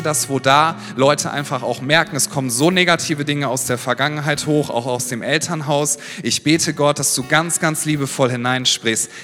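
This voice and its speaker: A man preaching a sermon and praying over the congregation, earnest and pleading, his voice rising into fervent prayer. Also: mid-range voice. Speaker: pastor. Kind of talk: sermon with altar-call prayer. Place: church service in a large room. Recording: church hall reverb with soft guitar.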